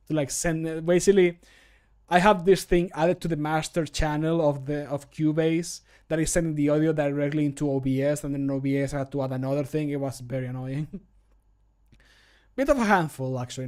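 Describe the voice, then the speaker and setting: Man, thirties, casual streamer talk, self-deprecating, joking, moderately high pitch. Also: a little mellow, smooth. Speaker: streamer, amateur voice actor. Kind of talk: casual chat while recording. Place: small home room, indoors.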